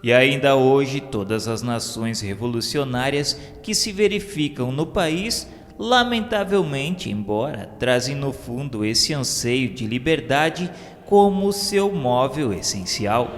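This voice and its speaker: A man giving a slow, solemn, measured scripted narration of a spiritual history. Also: mid-range voice, animated. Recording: long reverb with faint music bed.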